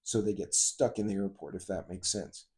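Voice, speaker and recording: A man's voice: sits low, fairly even intonation, moderate pace, a little mellow. A middle-aged man hosting a casual vlog, talking in a rambling, conversational way with frequent asides and practical advice. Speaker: host of a preparedness and travel channel.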